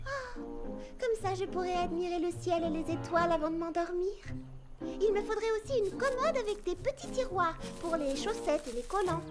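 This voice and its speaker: A woman voicing a cheerful, kind, organised young girl heroine in a children's cartoon, expressive and earnest. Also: very high-pitched, moderate pace, over loud music. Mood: dreamy, focused. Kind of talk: animated children's cartoon dub.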